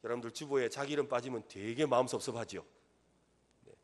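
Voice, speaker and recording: A middle-aged man preaching a sermon as pastor in a church, earnest, rising to loud emphatic peaks. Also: medium pitch, fast talker. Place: church sanctuary.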